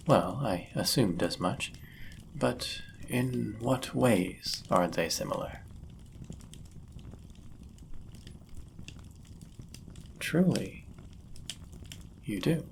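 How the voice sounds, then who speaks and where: A man playing a powerful, devoted demon bound to a sorcerer in an intimate audio roleplay, speaking formally and deliberately with a gravelly voice. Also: lowish voice, a little hiss or hum, full character voice, rough recording. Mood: hopeful, surprised. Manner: formal, old-fashioned wording, deliberate.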